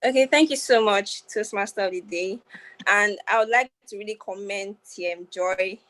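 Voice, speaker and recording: A woman evaluates a speech with measured praise. Her voice sits in a middle range. The sound is dry and close. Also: mid-range voice, fairly bright tone, no room sound.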